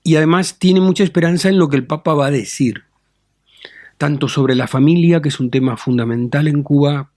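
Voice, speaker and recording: Measured bishop, dry sound. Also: male voice, on the high side, darkish tone, no room sound. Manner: deliberate, frequent tag questions and fillers. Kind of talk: measured interview answers.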